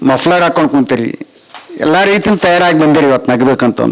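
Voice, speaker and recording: Noticeable background noise under lively intonation. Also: man. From Yadgir, North Karnataka. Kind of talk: stand-up. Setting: stage with audience.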